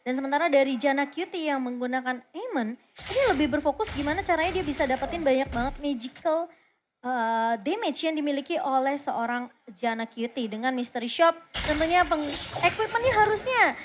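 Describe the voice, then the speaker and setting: A woman's voice: high voice, animated, brisk. A woman with an Indonesian accent giving chatty, explanatory esports commentary on plays, mixing in English game terms. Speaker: esports caster, analyst. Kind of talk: esports caster commentary, analysing plays beside a co-caster. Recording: clear noise behind the commentary.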